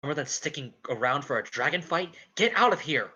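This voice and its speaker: Young protective dragon played by a man, husky and animated, earnest, cartoon audio drama. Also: mid-range voice, moderate pace, lo-fi sound. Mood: urgent.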